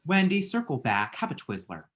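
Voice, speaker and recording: A man's voice: on the high side, huge pitch swings, normal speed, fairly bright tone. A man acting a flamboyant, chatty young gay man with a theatrical, sassy delivery in a comedy table read. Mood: playful.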